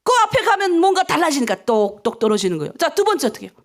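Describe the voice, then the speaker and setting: A middle-aged woman pastor preaching an early-morning prayer sermon, swinging between urgent pleading and low near-whispers. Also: very animated, rapid-fire. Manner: acts out quoted prayers and vows.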